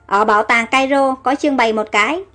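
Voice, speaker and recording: A woman's voice: on the high side, fairly quick, a bit bright, faint music behind, natural voice. A woman voicing a frightened young queen. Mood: gentle. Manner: emotional, cries out. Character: young girl heroine, a queen.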